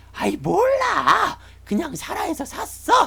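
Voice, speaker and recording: Putting on a character voice with an extremely high pitch, a man speaks at a fairly slow pace over light background noise. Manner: naive, exasperated.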